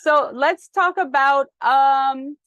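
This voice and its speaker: A woman hosting a podcast, chatty and quick to laugh, stumbling over words now and then. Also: sits high, fairly bright tone, no room sound, dull audio. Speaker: podcast host. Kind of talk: casual interview talk.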